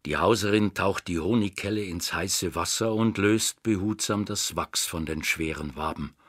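A man's voice: low voice, normal speed, fairly bright tone, slightly rough, no echo, clean studio sound. A man reading scripted literary narration for an audiobook. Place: dry studio.

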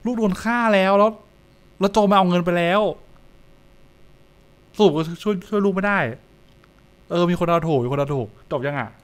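A man's voice: sits high, lively intonation, normal speed, long pauses, smooth. A young adult man, giving casual live reaction commentary and repeating short phrases as he thinks aloud. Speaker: streamer reacting to horror comics. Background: music.

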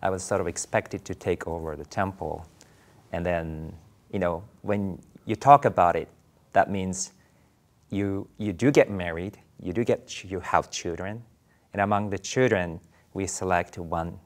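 Soft-spoken Japanese-accented man. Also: deep voice, measured pace. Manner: thoughtful, many fillers and restarts. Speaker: Buddhist priest guest. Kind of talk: interview answers. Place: studio interview set.

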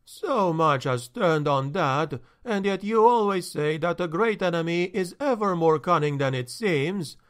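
A man reads a story aloud in a fairly high, animated voice, playing an anxious male steward. The character sounds agitated, pleading slowly in a shaky way.

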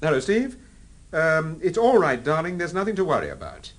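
An actor playing a composed, polite British gentleman detective in a radio drama, speaking in a measured way. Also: on the high side, wildly swooping pitch. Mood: reassuring. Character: suave, unflappable gentleman detective, married man.

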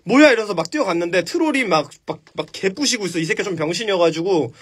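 A man's voice: high-pitched, animated, quick pace, fairly bright tone, husky. A man on a phone live stream, casually retelling a story with crude slang and acted-out voices. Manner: crude slangy retelling, acts out stuttering and panicky characters.

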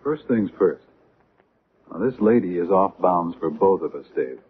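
An earnest doctor fascinated by UFOs in an old radio play. His voice is very low and lively in pitch, conversational in manner. The recording is muffled and noisy. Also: measured pace. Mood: earnest, intrigued. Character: open-minded male doctor and UFO researcher, earnest, smooth-talking. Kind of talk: radio drama acting.

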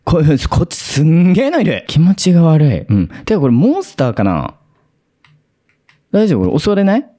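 A young man commentating a horror game, excitable and quick to react with loud, jumpy outbursts. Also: a little high.

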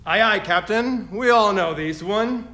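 High-pitched, jolly riverboat sailor. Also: male voice, measured pace. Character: hearty, jolly accordion-playing boatman, male. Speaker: actor. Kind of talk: stage-like radio drama acting. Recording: long reverberation over music.

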